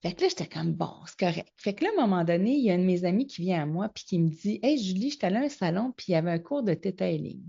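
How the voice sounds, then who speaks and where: Husky and gravelly, her lowish voice comes rapid-fire with hardly any pauses. This middle-aged woman with a Québécois French accent tells her story as a casual interview guest, acting out quoted voices, on slightly muffled lo-fi audio.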